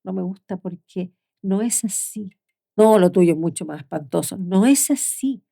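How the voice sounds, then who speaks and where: Older woman, heartfelt storyteller, gravelly. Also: mid-range voice, expressive, normal speed. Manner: heartfelt, storytelling, voice often drops soft. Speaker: guest. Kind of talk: conversational interview.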